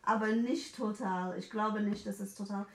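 A woman in her forties from England with an English accent, chatting in German as a second language in an animated way and mixing in English words. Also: medium pitch, normal speed, distant mic. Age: 40s. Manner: animated, mixes in English words, acts out quoted voices. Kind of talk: casual chat. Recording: echoey room, a bit off mic.

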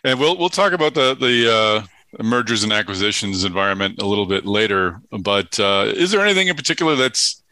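Male podcast host, low pitch, forceful tone, chatty with restarts. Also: sing-song, a little fast, no echo. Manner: conversational, many fillers and restarts. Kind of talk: casual industry chat.

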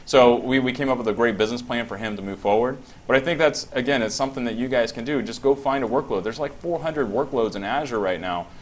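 A man's voice: medium pitch, quick pace, hardly any pauses. A man on a business panel telling a personal story and giving encouraging advice, with frequent restarts. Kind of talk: casual panel talk.

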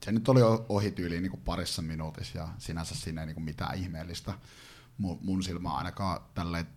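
A man on a fan panel, chatting casually and haltingly, full of fillers. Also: sits low, steady tone, a little mellow. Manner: hesitant, many fillers and restarts. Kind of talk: casual chat.

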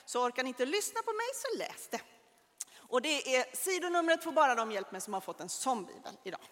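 A woman telling a Bible story to children in a church, animated and dramatic, with lively asides. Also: high voice. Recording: long reverb of a large hall.

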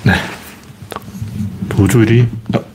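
A man's voice: fairly low pitch, steady tone, slow, noisy background. A man with a Gyeongsang dialect hosting a casual livestream, greeting viewers and rambling through opinionated, mocking commentary. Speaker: livestream host.

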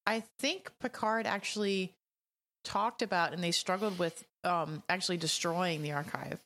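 A woman's voice: lowish voice, normal speed, a bit bright, slight background noise. A woman co-hosting a podcast in casual chat, thoughtful and musing, often hedging her points. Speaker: podcast co-host.

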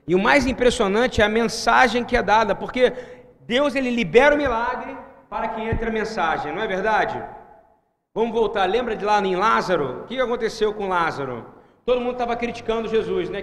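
Man, preacher, high voice, emphatic sermon, calls to congregation, long hall reverb.

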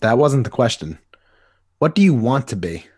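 A man's voice: medium pitch, very animated, normal speed, a little mellow, breathy edge, no room sound, studio quality. A man reading the part of a nostalgic grown-up superhero, talking in earnest first-person monologue. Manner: wistful, earnest inner monologue. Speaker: podcast co-host. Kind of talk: amateur comic dramatic reading.

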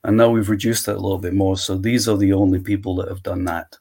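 A man walking through his software tool in a live screen-share demo, thinking aloud step by step. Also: low-pitched, little pitch movement, fast, creaky. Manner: walks through steps aloud, thinking as he goes.

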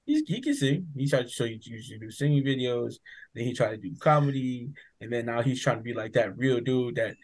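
Man, podcast chat, mid pitch, blunt and sarcastic. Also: a little mellow, low-quality recording.

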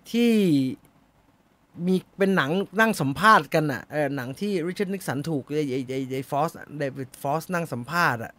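Male live-stream host, high voice, dry close sound, relaxed chatter between topics. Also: dry recording. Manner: chatty, laughs and mutters while fixing slides. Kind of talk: casual live-stream chat reading comments.

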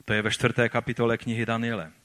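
Bright-voiced preacher dropping to hushed emphasis. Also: male voice, medium pitch, level tone. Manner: dramatic preaching that drops to quiet, slow emphasis; reads scripture aloud. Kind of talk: sermon.

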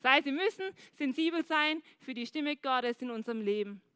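Female preacher, high bright voice, dry close sound; lively sermon delivery, addresses the congregation directly. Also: brisk, no room sound. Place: church service.

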